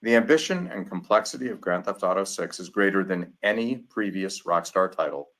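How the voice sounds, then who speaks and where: A man speaking as a company executive, reading a scripted earnings presentation in a formal, measured manner. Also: low-pitched. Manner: formal, measured prepared delivery.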